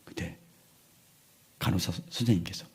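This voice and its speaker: Speaking at a moderate pace, a man in his sixties preaches in a church sanctuary. As pastor, he alternates between loud, emphatic lines and quiet, near-whispered ones.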